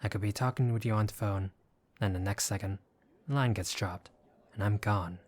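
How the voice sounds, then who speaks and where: Wary young gangster for hire, played by a male actor, lowish voice, gruff but decent, sardonic and guarded, audio roleplay drama. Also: normal speed, darkish tone, lightly acted. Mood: uneasy, guarded. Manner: guarded, sardonic, casual street talk.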